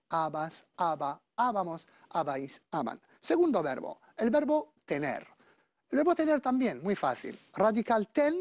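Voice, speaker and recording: A woman teaching a Spanish grammar lesson, going slowly through verb conjugations and checking in with her students. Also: mid-range voice, dry recording, dull audio. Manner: slow, deliberate conjugation drills, checking with "¿vale?".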